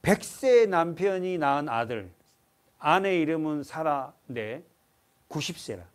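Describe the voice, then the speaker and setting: A male pastor preaches in a church, his fairly high voice swinging widely up and down. He puts questions to the congregation and answers them himself. He also has them read passages aloud. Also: very animated, a little slow, clear, resonant tone. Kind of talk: expository sermon.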